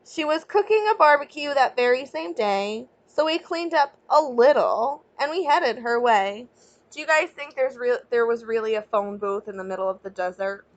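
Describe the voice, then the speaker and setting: A woman teacher reading a children's picture book aloud expressively, stepping out of the story to chat with young listeners. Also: on the high side. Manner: expressive, pausing to ask young listeners questions and explain.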